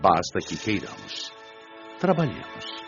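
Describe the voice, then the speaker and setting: Over music, in slightly dull audio, a solemn Brazilian spiritual preacher in a radio drama. His low voice rises and falls expressively as he teaches with measured, rhetorical care. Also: huge pitch swings, vocal fry, fairly bright tone, heavily acted. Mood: solemn, earnest. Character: earnest, solemn male spiritual preacher explaining a parable. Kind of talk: scripted sermon-like lecture.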